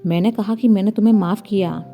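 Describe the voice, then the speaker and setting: A woman's voice: mid-range voice, fast, highs cut off, faint music behind, close to an everyday voice. A woman voicing a spirited, teasing young woman in a storybook reading, with a playful manner. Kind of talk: storybook narration.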